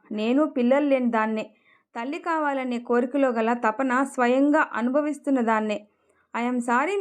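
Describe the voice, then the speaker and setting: A woman voicing a calm, sincere woman doctor who speaks in a soothing, persuasive way. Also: a little high, lightly acted.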